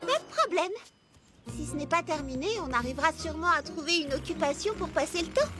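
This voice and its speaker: A woman's voice: high-pitched, a little fast, natural voice. A woman voicing a cheerful, kind and optimistic little girl heroine in a French cartoon dub. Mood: friendly. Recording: loud music behind the voice.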